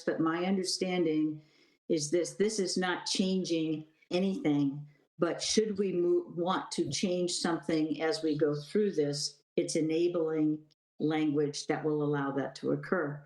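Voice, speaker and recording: A woman chairing a committee meeting over a video call. She speaks in a measured way and hands the floor to others. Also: low-pitched, darkish tone, roomy sound, low-quality recording. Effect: heard over a video call. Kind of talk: running a public meeting.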